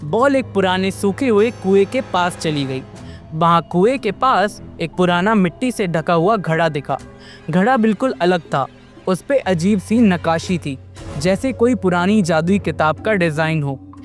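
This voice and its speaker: A male storyteller narrating a scripted horror-fantasy tale. His voice sits high for a man and his delivery is lively and dramatic. Faint music plays under him. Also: measured pace.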